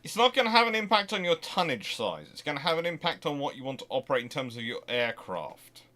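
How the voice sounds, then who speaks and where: A man's voice: a little high, sing-song, quick pace, bright, forceful tone. A man hosting a casual question-and-answer session, chatty and digressive, often posing rhetorical questions as he explains. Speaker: host answering viewer questions. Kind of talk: casual live Q&A on naval history.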